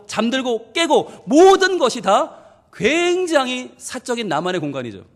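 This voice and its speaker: A male pastor preaching a sermon to his congregation. He preaches in an animated way, talks straight to the people in the pews and acts out the voices he quotes. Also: sits high. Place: church sanctuary. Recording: long church reverb.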